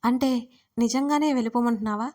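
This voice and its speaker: A woman's voice: on the high side, quick pace, dark tone, close to an everyday voice. A woman voicing a shy, sulky young woman who pleads and whines in an audio story. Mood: pleading. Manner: coy pleading, whiny.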